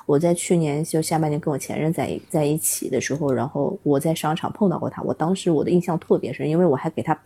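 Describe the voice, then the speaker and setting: A woman's voice: low voice, dark tone, slightly rough. A woman from Changsha, a guest on a video call, telling a rambling story with many restarts. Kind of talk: casual storytelling chat.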